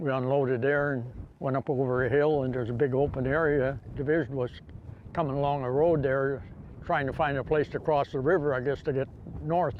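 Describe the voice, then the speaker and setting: A man's fairly high-pitched voice in an Upper Midwest accent, fairly quick in pace and fairly even in intonation. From Minnesota. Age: 80s+. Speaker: war veteran. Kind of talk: interview storytelling. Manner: halting.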